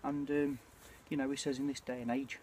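A British man in his forties chatting casually and reflectively to camera, with a hesitant, throat-clearing delivery. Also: mid-range voice, little pitch movement, brisk, a little mellow. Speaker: bushcraft vlogger. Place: outdoors at night by a small campfire. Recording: clear ambient noise of an outdoor campfire.

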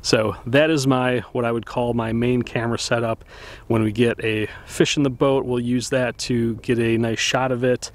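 A man in his thirties hosting a fishing channel, casually walking through his camera gear outdoors on a lake and talking in a relaxed, rambling way with fillers and restarts. He is recorded on a camera-mounted shotgun mic. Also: medium pitch, moderate pace.

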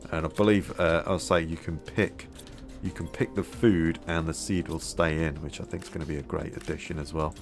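A man musing aloud as he plays a game, his voice a little hoarse, with many fillers. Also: a bass voice, fairly even intonation, a little fast, hardly any pauses, soft background music. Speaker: gameplay video host. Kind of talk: casual gameplay commentary.

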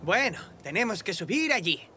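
A woman voicing a plucky, confident young goatherd boy in an animated series, brisk and a little cocky. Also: mid-range voice, natural voice. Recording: loud music behind the voice.

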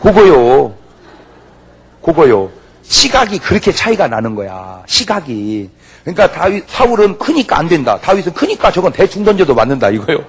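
A man's voice: fairly high pitch, moderate pace, husky. A man, preaching a humorous revival sermon and acting out the people in his stories. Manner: animated storytelling, acts out characters and shouts. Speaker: pastor.

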